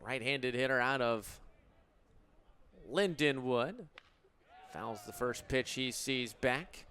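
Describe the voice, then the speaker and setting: An American man in his twenties calling live baseball play-by-play for radio in a crisp, descriptive announcer delivery. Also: medium pitch, takes it slowly, bright, forceful tone. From Illinois, United States. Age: 20s.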